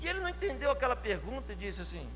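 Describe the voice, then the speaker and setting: Male preacher, São Paulo accent, high voice, shouted climaxes, long reverb, faint hum. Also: very animated, rapid-fire. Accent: São Paulo Portuguese. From São Paulo, Brazil. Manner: rising to loud shouted climaxes, drawn out; asks the congregation direct questions. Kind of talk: sermon. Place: church hall.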